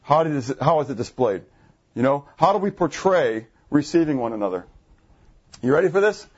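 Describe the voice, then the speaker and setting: A man preaching a sermon to his congregation, animated, asking the room questions, with jumps in pitch when he gets excited. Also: brisk, husky, dull audio. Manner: jumpy pitch, bursts high when excited. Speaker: pastor. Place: church assembly room.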